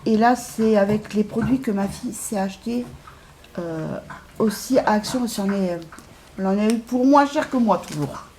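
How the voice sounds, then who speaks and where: A woman's voice: medium pitch, normal speed, mellow, a little hiss or hum. A middle-aged woman chatting casually in a shopping haul video, hesitant with lots of fillers. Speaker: haul vlogger. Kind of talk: casual chat.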